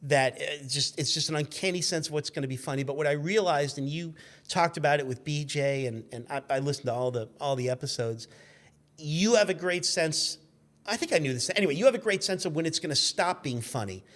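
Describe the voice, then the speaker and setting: A man in his fifties telling stories casually and in an animated, profane way as a podcast guest. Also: a little high, fairly quick. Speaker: podcast guest, former radio intern. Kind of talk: casual storytelling.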